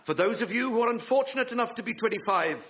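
A self-important Englishman, grandly declaiming his political ambitions in a high, swooping voice. It is radio sitcom comedy, slightly muffled with noise. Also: lively intonation, quick pace. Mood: grandiose oratory. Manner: pompous, mock-oratorical, colloquial. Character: pompous, deluded British man dreaming of political glory. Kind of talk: radio sitcom acting before a live audience. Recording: dull, noisy radio sitcom recording with clicks.

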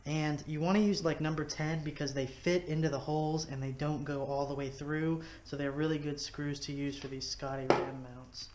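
Relaxed man explaining a DIY build. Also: fairly high pitch, normal speed, hardly any pauses, a little hiss or hum. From Texas. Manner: relaxed, step-by-step explaining while working with his hands. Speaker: fishing video host. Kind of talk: casual how-to demonstration. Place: living room at home, indoors. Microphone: head-mounted action camera.

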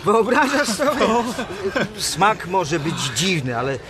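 An actor playing an uneasy, evasive starving survivor in a radio play, with a hesitant delivery. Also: male voice, high voice, very animated, slow pace, a crowd in the background, exaggerated voice. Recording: noisy radio drama recording.

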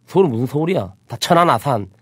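Animated man with a Busan accent. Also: mid-range voice, very fast, husky, no room sound, clean studio sound. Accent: Busan Gyeongsang dialect. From Busan, South Korea. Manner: animated storyteller, mimics others' voices. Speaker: show host. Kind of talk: casual talk-show chat.

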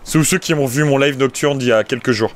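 A man's voice: medium pitch, quick pace, a little hiss or hum. A man streaming a car-football game, chatting casually and teasing his friends with jokes. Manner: joking, teasing, bursts into silly singing. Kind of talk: casual gaming chat.

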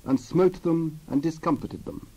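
A man's voice: on the high side, measured pace, darkish tone. A man narrating a dramatized Bible reading in a solemn, formal, scripted manner. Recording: dull sound, faint noise, birdsong behind.

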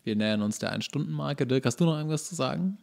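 Male podcast co-host with a gravelly, creaky mid-range voice, casual, dryly joking. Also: medium pitch, lively intonation, quick pace, a little mellow. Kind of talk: casual banter.

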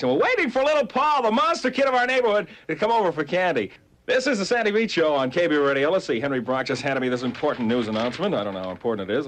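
A man's voice: on the high side, a bit bright. A man working as a radio DJ, wisecracking through old-time top-40 patter. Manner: joking, wisecracking.

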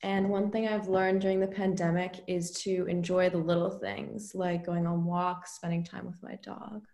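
A woman's voice: on the low side, level tone, normal speed, gravelly, mellow. A young woman from New York City introducing herself casually on a video call from a room indoors. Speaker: workshop participant. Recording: roomy video call audio.

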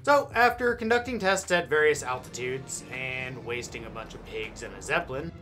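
Wry American man with lively pitch. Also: normal speed, music in the background. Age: 30s. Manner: wry, deadpan sarcasm. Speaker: host. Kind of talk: scripted comedic history narration. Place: indoor studio with backdrop.

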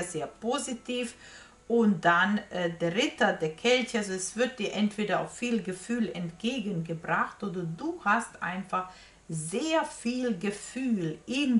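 A woman's voice: medium pitch, fairly bright tone. A woman giving a casual tarot reading to viewers, hesitant in phrasing and often repeating herself, recorded in a small room. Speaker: tarot reader. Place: small room crowded with statues and cards. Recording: roomy echo from camera distance.

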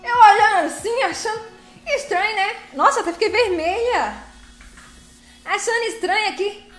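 A woman hosts a casual live stream, greeting viewers by name as she plays. Her voice is high and bright, with lively chatter. The sound is echoey, with faint music behind her. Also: normal speed. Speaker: live streamer playing a truck game.

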